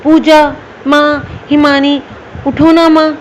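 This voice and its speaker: A woman's voice: high-pitched, little pitch movement, slow, a little hiss or hum, poor audio. A woman voicing a caring young magical daughter who calls out eagerly in a storybook tale. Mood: urgent.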